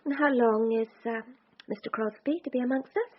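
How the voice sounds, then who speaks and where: An actress playing a gentle, resigned Victorian mother with a dry, gently ironic humor, in a period radio drama. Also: fairly high pitch, fairly quick, close to an everyday voice. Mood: chatty. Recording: dull recording with faint hiss.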